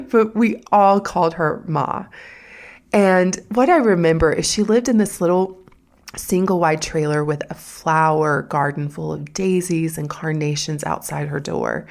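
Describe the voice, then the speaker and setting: A woman's voice: fairly low pitch, gravelly, a little mellow. A woman with a Southern US accent hosting a solo podcast, talking in a chatty, folksy way with asides to her listeners. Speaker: podcast host.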